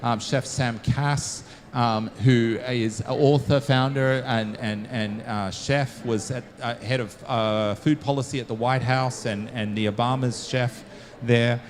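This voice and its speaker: A man giving casual spoken remarks as host of a launch event, halting with many fillers and restarts. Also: medium pitch, fairly even intonation. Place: conference room.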